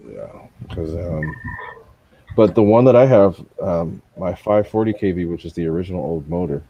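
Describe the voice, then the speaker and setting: A man's voice: deep voice, moderate pace, muffled recording. A man in casual chat, thinking aloud with many ums as he talks.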